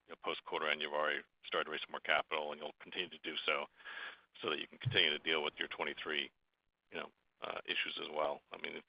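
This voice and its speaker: A man's voice: very deep voice, gravelly, no echo. A man calling in as an investor to ask questions on an earnings call, with casual, rambling phrasing and slightly muffled phone sound. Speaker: investor caller asking questions. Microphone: telephone.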